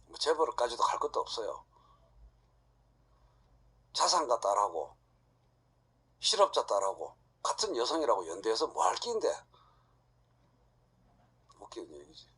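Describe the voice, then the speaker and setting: A middle-aged man lectures an audience, bluntly firing rhetorical questions. His voice is husky, and his pitch rises and falls widely and lively. He speaks directly and without hesitation. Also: measured pace, pauses often.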